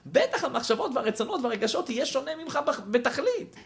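Man, husky voice, wildly swinging pitch, lecturing a class, questions to the audience. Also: big pitch swings. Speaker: teacher.

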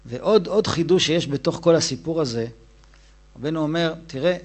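Male Torah teacher, somewhat high voice, soft-spoken with emphatic swells. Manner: soft-spoken, drops to a hush, then rises with emphasis. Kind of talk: Hasidic Torah lesson.

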